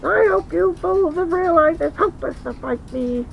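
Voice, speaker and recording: Shrill villainous princess, extremely high. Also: moderate pace, vocal fry, muffled recording. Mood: menacing, furious. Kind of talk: audio drama acting. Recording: loud noise behind.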